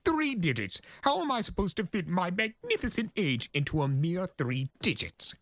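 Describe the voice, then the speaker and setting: A man voicing an ancient, pompous chimera lord of chaos in a cartoon fan story, with grandiose, exasperated, drawn-out delivery. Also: sits high, very animated, fairly bright tone, no echo, pitched above the performer's own voice, heavily acted. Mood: indignant. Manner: theatrical, grandiose, indignant, drawn-out emphasis. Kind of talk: dramatic cartoon fan fiction reading.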